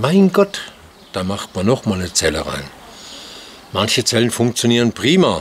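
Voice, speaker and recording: Over light background noise, a man speaks at a fairly slow pace with very wide pitch swings. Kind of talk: casual vlog chat. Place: garden. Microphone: phone near.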